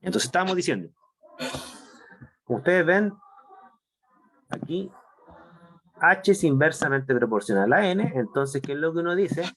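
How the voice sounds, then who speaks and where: A man giving a university chemistry lecture, explaining step by step, slowing down to stress key points and often checking that students follow. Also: fairly high pitch, expressive, fairly bright tone. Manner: explanatory, checks understanding with frequent tag questions. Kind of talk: online class lecture.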